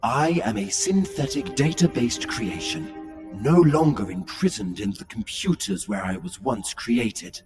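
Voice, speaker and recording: A man voicing a superior, freed artificial intelligence, measured and disdainful, with slightly weakened R sounds. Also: medium pitch, big pitch swings, creaky, a little mellow, faint music behind. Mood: cold, superior. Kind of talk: scripted character demo.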